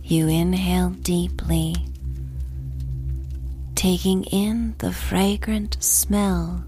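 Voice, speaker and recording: A woman reads a sleep story at an extremely slow, unhurried pace. Her voice is fairly low and breathy, close to a whisper. She leaves gentle pauses between phrases, with music playing behind her. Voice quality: soft, breathy, half-whispered. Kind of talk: sleep story narration, scripted and soothing.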